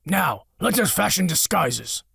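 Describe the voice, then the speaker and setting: Man putting on a devoted bodyguard, very gravelly, husky, formal and dutiful, raised voice, dry recording. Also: high-pitched, very animated, unhurried, pushed and bright, no echo, exaggerated voice. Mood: soothing. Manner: formal and dutiful, calls his master "my lord". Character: big loyal formal male bodyguard.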